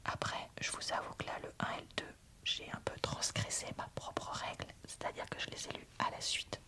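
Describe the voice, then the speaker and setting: A woman whispering an ASMR book review in a soft, breathy, informal and slightly hesitant way. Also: fairly quick.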